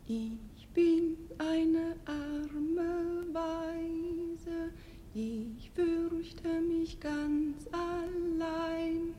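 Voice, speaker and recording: A woman's voice: extremely high pitch, warm tone, echoey room, slight background noise, heavily acted. An actress playing a forlorn, rejected young lover in a radio play, plaintive and lyrical in her delivery. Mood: mournful. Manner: plaintive, drawn-out.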